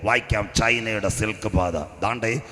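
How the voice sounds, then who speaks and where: Fiery preacher in a reverberant hall. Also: male voice, lowish voice, steady tone, a little slow. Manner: storytelling preacher, acts out characters, rises to shouting. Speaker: pastor. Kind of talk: sermon. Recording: echoey hall with long reverb.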